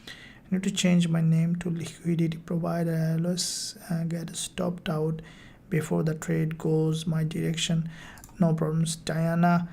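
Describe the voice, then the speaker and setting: Female live-stream host and mentor. Low, very even delivery, halting phrasing, informal question-and-answer style.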